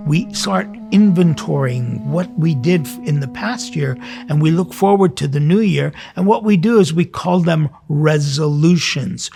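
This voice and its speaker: A middle-aged or older priest from Southern California delivers an informal sermon as host, weaving in personal stories. His voice is fairly high with vocal fry, a darkish tone and a breathy edge, and he speaks conversationally and reflectively, posing rhetorical questions.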